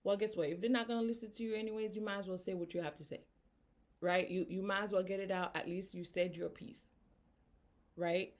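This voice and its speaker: A woman's voice: medium pitch, fairly even intonation, fairly quick. A woman from Haiti with a Haitian accent, giving an earnest motivational talk and tagging her points with "right?". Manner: earnest, tags statements with "right?". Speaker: business coach.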